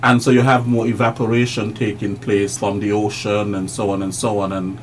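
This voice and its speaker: A man's voice: lowish voice, level tone, fairly quick, a little hiss or hum. A man interviewing guests, chatty and explanatory, repeating words while he searches for them.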